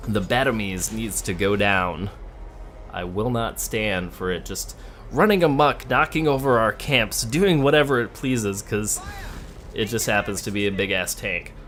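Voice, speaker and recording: A man's voice: fairly low pitch, expressive, unhurried, fairly bright tone, a little hiss or hum. A man giving casual let's play commentary on a video game, thinking aloud and talking to the characters as he plays. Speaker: gamer playing a video game.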